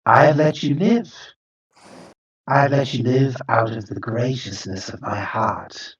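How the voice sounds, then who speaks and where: A man voicing a female winged creature who hisses and schemes, speaking slowly and menacingly. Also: medium pitch, dull audio, voice pushed up, natural voice. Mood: sinister.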